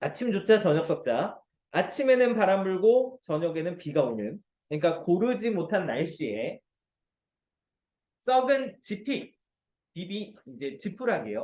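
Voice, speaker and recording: Fairly slow delivery with long, frequent pauses. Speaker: Korean literature teacher. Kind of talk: lecture.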